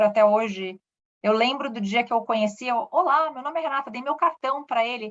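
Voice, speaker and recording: Her speed is moderate. This woman's pitch shifts in a normal way. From Brazil, São Paulo. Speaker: ophthalmologist. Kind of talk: interview.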